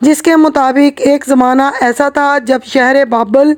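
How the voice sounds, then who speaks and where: A woman speaks at a high pitch. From Pakistan. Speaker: voice over artist. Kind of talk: religious story narration.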